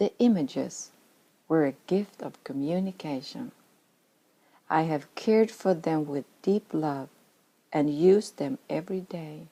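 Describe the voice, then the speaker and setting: A woman's very deep, low pitch and dark, mellow tone, with lively intonation, a fairly slow pace and long, frequent pauses. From Sweden. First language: Swedish. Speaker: author and evangelist. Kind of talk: reading aloud.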